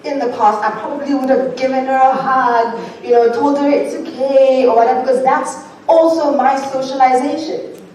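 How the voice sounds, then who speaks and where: A woman, an audience member telling a story during a Q&A in a large lecture hall, animated and often laughing. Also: high voice, normal speed. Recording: echoey hall, voice from far off.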